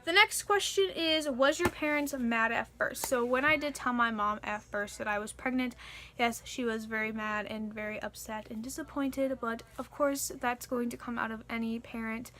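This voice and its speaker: Young woman vlogger, pitched a bit high, chatty and earnest, loose casual delivery with fillers. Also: normal speed, pushed and bright. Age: young adult. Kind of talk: casual Q and A vlog.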